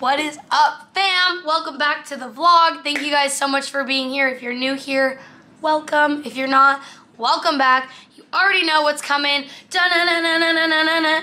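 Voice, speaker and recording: Speaking at a fairly slow pace, a woman uses a raised, projected voice with fairly even intonation. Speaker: vlogger. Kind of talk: casual vlog chat. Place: home room. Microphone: phone near.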